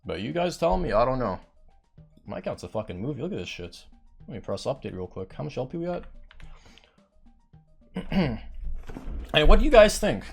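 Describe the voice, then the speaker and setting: A man's voice: a little high, darkish tone. A young man streamer telling a rambling, blunt and profane story in a rant. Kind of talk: ranting storytime.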